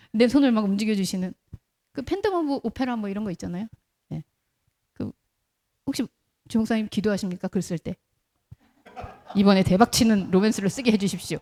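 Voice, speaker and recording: A woman's voice: medium pitch, dark tone. A woman pastor preaching a conversational sermon, telling stories and asking the congregation rhetorical questions. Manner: briefly acts out quoted voices in the middle of speech.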